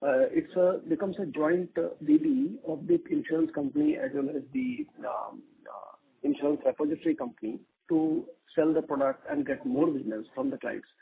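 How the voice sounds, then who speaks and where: A man with an Indian accent, an investor calling into an earnings call with polite but probing, halting questions. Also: a little high, sing-song, creaky, breathy edge. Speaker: investor caller asking questions. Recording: muffled narrow telephone line.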